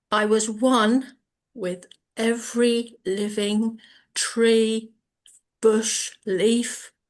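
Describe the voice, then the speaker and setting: With long, frequent pauses and a very slow pace, a woman with an English accent talks in a fairly high pitch and monotone, flat intonation. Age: 80s+. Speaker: participant sharing a testimony. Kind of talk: personal testimony.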